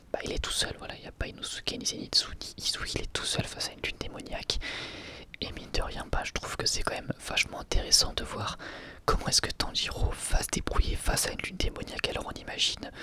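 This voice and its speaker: Male ASMR host for whispered reviews, bright breathy tone, thinks aloud hesitantly. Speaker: host reviewing an anime episode.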